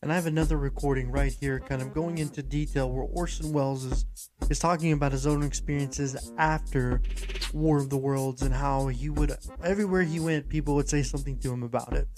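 American guy doing podcast commentary, regular pitch, loose rambly n emphatic, music going behind him. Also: steady tone, brisk. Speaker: podcast host. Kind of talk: casual commentary to listeners.

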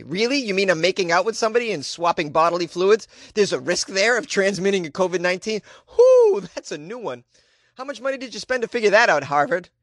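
Male comic host, slightly high voice, dry close sound, incredulous and mocking. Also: fairly bright tone, no room sound. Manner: incredulous, mocking, frequent laughter. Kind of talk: comic commentary on news stories.

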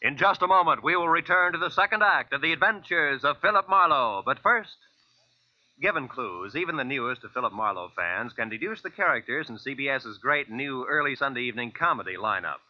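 A man's voice: medium pitch, animated, a little fast, no room sound. A man with an American accent announcing in scripted 1940s network radio style. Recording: muffled old radio recording.

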